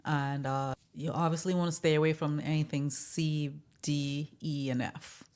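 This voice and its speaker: A woman's voice: deep voice, flat delivery, a little slow. A woman co-hosting a casual health talk, agreeable and encouraging with practical tips. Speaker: health coach co-host.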